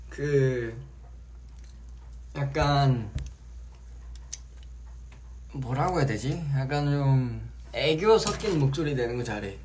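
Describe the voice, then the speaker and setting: A young man hosting a casual live stream, relaxed and chatty, sometimes acting out how he sounds on the phone. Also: medium pitch, a little hiss or hum. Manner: relaxed, chatty, acts out his own phone voices.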